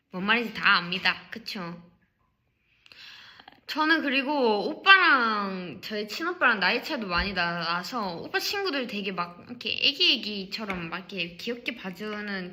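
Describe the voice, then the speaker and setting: A young woman with a very bright, ringing tone chats casually on a livestream. Her pitch jumps around a lot as she talks. She laughs easily and now and then drops into quiet little asides. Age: young adult. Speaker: idol group leader on a livestream.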